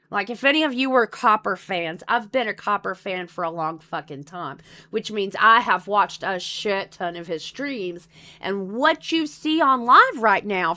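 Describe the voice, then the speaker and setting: A woman's voice: mid-range voice, pushed and bright. A woman with a Texan drawl hosting a livestream, chatting casually and rambling with lots of swearing. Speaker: streamer host.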